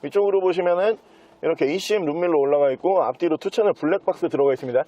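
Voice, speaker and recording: A man giving an unscripted sales walkthrough as a used car dealer, with smooth, practised salesman patter. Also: on the high side, rapid-fire, mellow, no room sound. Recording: dull, muffled lo-fi sound.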